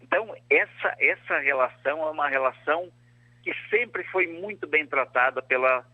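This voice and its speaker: A former mayor is interviewed by phone on a radio show, his slightly high male voice coming through a crackly line that keeps cutting out. The dull, dry telephone audio has no echo, and he speaks formally and in a measured way with frequent hesitations.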